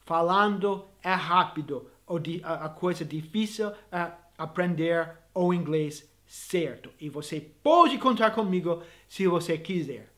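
A man's voice: on the high side, lively intonation, unhurried, hardly any pauses, pushed and bright. A man who teaches English, giving earnest, encouraging advice to viewers in a video lesson, with frequent restarts and small grammar slips as he speaks Portuguese as a learner.

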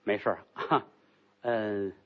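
A man voicing a haughty, commanding rich young concubine, speaking low and cool in a storytelling act. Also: fairly even intonation, slow pace, highs cut off. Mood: polite, probing.

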